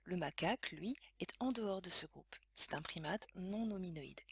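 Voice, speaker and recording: A woman reading scripted science lesson narration in a measured, explanatory way. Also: on the low side, animated, gravelly, slight background noise. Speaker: educational narrator.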